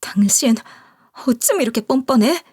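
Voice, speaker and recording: A woman's voice: on the high side, very animated, moderate pace. A woman voicing a shocked wife who confronts her husband urgently and reproachfully.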